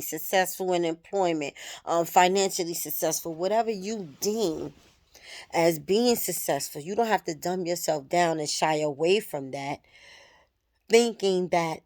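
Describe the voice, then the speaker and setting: With a fairly low, darkish voice, a vlogger in her thirties muses openly to the camera, swearing freely through a reflective personal monologue.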